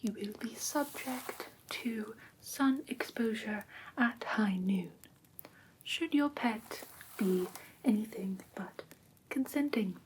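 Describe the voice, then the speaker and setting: A woman voicing a prim, strict vampire teacher in a soft, breathy whisper, formal and precise, for an ASMR roleplay class. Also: on the high side, slight background noise, poor audio. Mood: prim, stern. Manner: formal, precise, deliberate, theatrically stern. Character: prim, strict female vampire teacher of human pet care. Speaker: ASMR performer.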